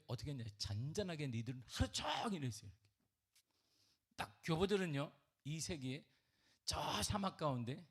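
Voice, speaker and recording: A man preaching a sermon at a church prayer meeting, with animated rhetorical questions and sudden drops to a near whisper. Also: medium pitch, slightly rough. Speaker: pastor. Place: church sanctuary.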